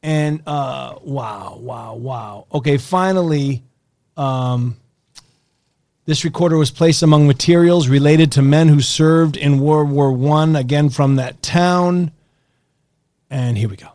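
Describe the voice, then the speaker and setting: A man hosting a podcast in casual chat, presenting clips in an animated way with slangy exclamations. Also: fairly high pitch, slow pace, no room sound, studio quality. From Massachusetts, US. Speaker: podcast host.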